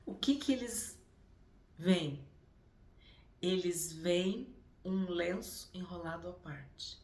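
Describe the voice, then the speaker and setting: A woman's voice: on the low side, takes it slowly, echoey room. A woman giving a Bible reflection, speaking with emphasis and repeating phrases for effect. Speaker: Bible teacher.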